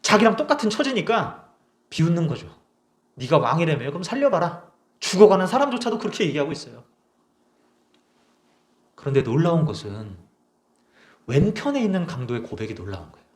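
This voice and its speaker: A man's voice: high voice, echoey room. A young man preaching a sermon as a pastor, emphatic and full of rhetorical questions. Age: young adult. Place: small church.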